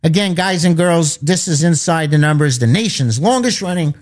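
High, lively sports betting radio host. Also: male voice. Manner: fast persuasive pitch, direct to listeners. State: slightly losing his voice. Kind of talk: radio talk with sales pitch.

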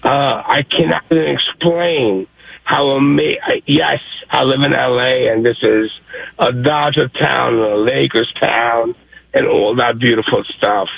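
Hoarse excited caller on a phone line. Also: male voice, medium pitch, a little slow. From New York. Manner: excited, rambling with many fillers.

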